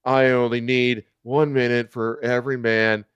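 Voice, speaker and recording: A man's voice: medium pitch, little pitch movement, moderate pace, smooth, dry recording, highs cut off, close to an everyday voice. A man voicing a swaggering heroic cartoon cat warrior with a cool, commanding manner in a comic story reading. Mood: cool bravado.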